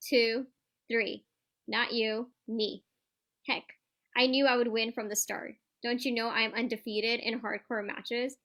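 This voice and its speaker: A cocky, trash-talking pro wrestling champion, acted by a woman in a staged reading. The voice is fairly high and bright, with a sharp edge. The delivery is boastful and challenging, with occasional stumbles over the script.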